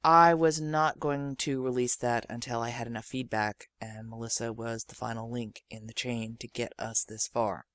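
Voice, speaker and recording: A woman's voice: rumbling low, fairly even intonation, moderate pace, hardly any pauses, no room sound. A woman hosting a podcast, giving an introduction in a theatrical, effusive storytelling manner. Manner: theatrical, effusive, quotes others in acted voices. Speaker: podcast host and audio drama creator.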